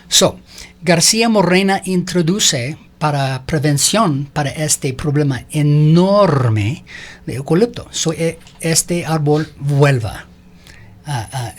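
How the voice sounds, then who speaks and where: A man whose first language is English, speaking halting learner Spanish as a radio interview guest, slipping into English fillers. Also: a little high. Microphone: studio microphone.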